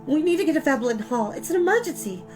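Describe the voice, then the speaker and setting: An eager, clever young inventor girl from a storybook, acted out by a woman. Her voice sits high and she explains with excitable, determined emphasis. Music plays clearly behind her. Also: fast. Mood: urgent. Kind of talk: storybook character voice in a read-aloud.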